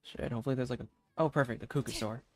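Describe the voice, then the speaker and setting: A man's voice: mid-range voice, fairly even intonation, very fast. A man giving casual let's play commentary as a gaming streamer, offhand and half talking to himself. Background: soft game music.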